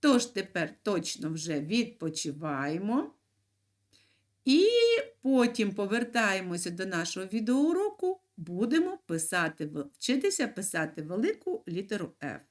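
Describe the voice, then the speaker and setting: Slow, lively-voiced woman teacher. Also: mid-range voice. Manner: slow, clear, encouraging, with sing-song emphasis. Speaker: primary school teacher. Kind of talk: video lesson for young children.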